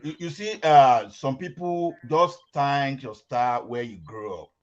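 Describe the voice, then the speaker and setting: A man from Lagos speaks at a middle pitch on a muffled online call. He pushes his argument emphatically, stopping and restarting, and repeats words. Pidgin phrases slip into his sentences. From Lagos, Nigeria. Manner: emphatic, halting, repeats himself, mixes in pidgin. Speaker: discussion participant. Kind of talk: heated group chat on a call.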